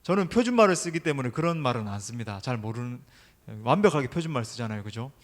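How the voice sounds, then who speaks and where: A man's voice: medium pitch, sing-song, fast. A middle-aged man preaching a sermon as senior pastor, speaking emphatically and directly to his congregation in a church sanctuary. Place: church sanctuary during an evening service. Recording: long reverb of a large hall.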